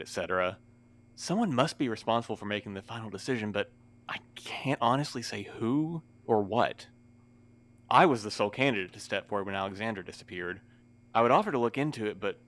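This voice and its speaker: Weary male postmaster played by an actor, lowish pitch, wordy and proper, dryly resigned, for a fiction podcast. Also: fairly bright tone, natural voice. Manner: wordy, formal, precise. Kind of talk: scripted audio drama acting.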